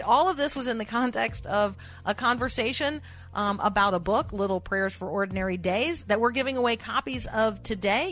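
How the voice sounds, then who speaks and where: A woman's voice: medium pitch, fairly bright tone. A woman hosting a Christian radio show in a casual, conversational way, chatty and encouraging as she addresses listeners directly.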